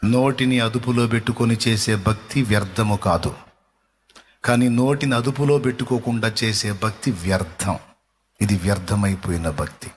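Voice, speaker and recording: A man preaching a sermon as a pastor, with emphatic repetition and slowing down for stress. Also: on the low side, long reverb tail, a little hiss or hum.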